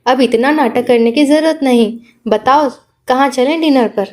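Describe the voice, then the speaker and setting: A woman's voice: high voice, normal speed, a little mellow, lightly acted. Audiobook: teasing, affectionate young CEO husband, read by a woman. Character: young man, a confident romantic CEO.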